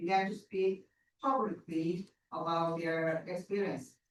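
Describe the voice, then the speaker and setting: A woman with a Korean accent, medium in pitch, at a fairly slow pace. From South Korea, Busan. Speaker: literature researcher. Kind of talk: academic presentation.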